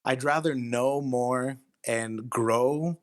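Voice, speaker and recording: A man's voice: mid-range voice, drawn-out words. A man speaking as an interviewed writer in a casual, earnest, plain-spoken and matter-of-fact way.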